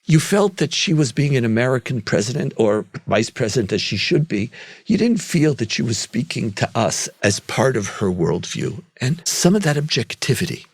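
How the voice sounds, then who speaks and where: A man's voice: mid-range voice, very animated, normal speed, husky, no echo. A man hosting a podcast discussion, talking earnestly and asking questions. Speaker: podcast host.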